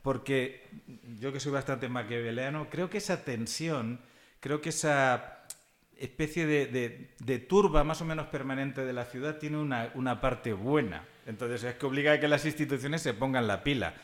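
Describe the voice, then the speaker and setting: A man from Catalonia speaks as a panelist in a relaxed but thoughtful discussion. He talks in a lively, discursive way. He checks in with short tag questions and lets out small chuckles as he builds his points. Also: mid-range voice, moderate pace. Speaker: panelist at a book presentation. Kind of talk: conversational academic discussion.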